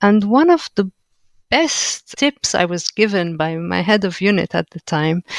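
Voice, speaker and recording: In a Maltese accent, a woman of medium pitch speaks at a fairly slow pace with lively intonation, the sound dry and close with no echo. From Malta. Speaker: author and translator. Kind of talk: interview. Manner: halting.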